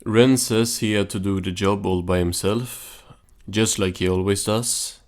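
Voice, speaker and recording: Deep-voiced man doing casual deadpan recaps. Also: unhurried. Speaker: cartoon recap host.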